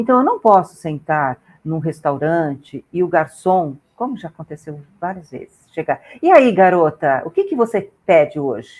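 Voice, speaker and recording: A woman with an ordinary speaking voice talks at a fairly slow pace and a fairly low pitch, using lively intonation. Her loudness swings widely over a quiet background. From Brazil. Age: 60s. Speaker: consultant on ageing. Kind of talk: interview.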